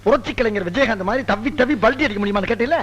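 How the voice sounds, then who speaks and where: A man's voice: high-pitched, fast talker, fairly bright tone. A man playing a joking husband in a film comedy, teasing his wife. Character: comic bumbling husband, wisecracking.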